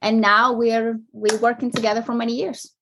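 A woman from Colombia with a Colombian accent, a business owner telling her story as a guest in a casual interview, animated and fond of "like". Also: on the high side, normal speed, noisy background. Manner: animated storyteller, acts out phone calls, frequent "like".

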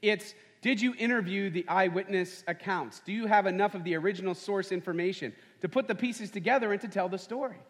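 High-voiced pastor preaching in a reverberant hall. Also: male voice, brisk, few pauses, a bit bright. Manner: conversational, asks rhetorical questions. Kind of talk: sermon.

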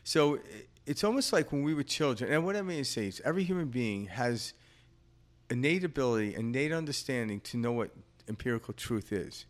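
This brisk, animated man in his fifties co-hosts a podcast, his mid-range voice wandering through a casual spiritual chat. He rambles and reflects, filling gaps with filler words and laughing easily.

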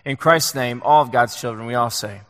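A young adult man preaching a sermon in a church, earnest and halting, with many fillers and restarts. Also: mid-range voice. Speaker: pastor. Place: church sanctuary. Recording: long hall reverb.

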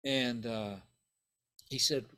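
A man's voice: mid-range voice, steady tone, takes it slowly, pushed and bright. An older man whose first language is Italian, telling stories in a casual interview and rambling with lots of "you know" and "right?". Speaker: bassist guest.

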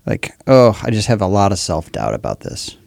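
Dark-voiced man hosting, bassy and gravelly. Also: big pitch swings, moderate pace, dry recording, clean studio sound. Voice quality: bass-heavy voice. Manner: self-deprecating, candid. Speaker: podcast host. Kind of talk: casual conversational hosting.

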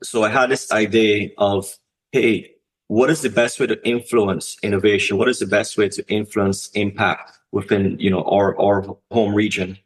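A man from Barbados, co-founder of a conference, answering interview questions in a measured way with many restarts and fillers. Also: fairly low pitch, fairly even intonation, rough recording. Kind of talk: podcast interview.

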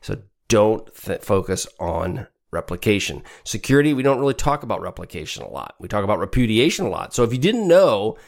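A middle-aged man with a lowish voice and the stuffed-up sound of a cold. He talks through exam questions in a relaxed, conversational way, reading out each option before reasoning toward the answer. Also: fairly quick, vocal fry, hardly any pauses. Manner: casual and conversational, reads options then reasons aloud. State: congested from a cold. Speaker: podcast host and exam tutor.

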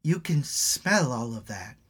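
A young tribal woman from a spoken storybook, grieving and desperate, voiced by a man. Her pleas rise high and swing wildly, climbing toward shrill cries. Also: big pitch swings, slow, fairly bright tone, husky, heavily acted. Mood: hopeful. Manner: pleading, rising to shrill cries.

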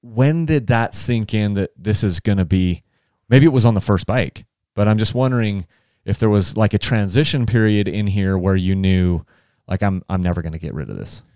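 A man's voice: lowish voice, normal speed, warm tone, dry recording, clean studio sound. A man hosting a casual interview, who rambles and restarts his questions often. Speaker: podcast host.

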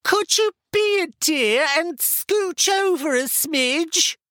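A man voicing a camp, theatrical gentleman with a plummy upper-class English accent and grandiose, over-dramatic delivery in an audiobook. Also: very high-pitched, animated, slow pace, no echo, studio quality, pitched above the performer's own voice, heavily acted. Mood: fussy, condescending.

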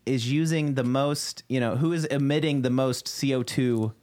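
A man's voice: mid-range voice, moderate pace, a little mellow. A man co-hosting a podcast, chatting casually in a jokey, teasing way. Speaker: podcast co-host. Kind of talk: casual chat.

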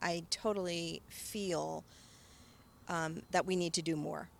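A woman's voice: lowish voice, fairly even intonation, a little slow, creaky. A woman interviewer who responds sincerely and affirmingly, with hesitant fillers. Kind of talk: casual interview conversation.

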